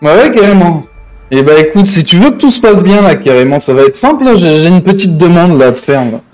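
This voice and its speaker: A man's voice: sits high, sing-song, fairly quick, a little mellow, faint music behind. A man playing an aggrieved, crude, threatening hostage-taker out for revenge in an improvised online game roleplay, swearing and repeating his verbal tics. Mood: menacing. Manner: verbal tic-laden, crude, ranting, swearing.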